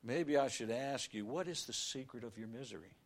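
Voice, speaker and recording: A middle-aged male pastor preaching a sermon in a folksy, animated way, shouting on key words and telling everyday stories. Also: medium pitch, fairly quick.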